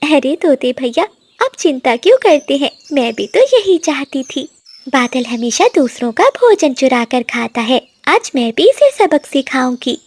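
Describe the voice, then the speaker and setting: A woman's voice: high-pitched, big pitch swings, a little slow, a little mellow. A woman voicing a sweet, clever little female bird in a cartoon. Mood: cheerful.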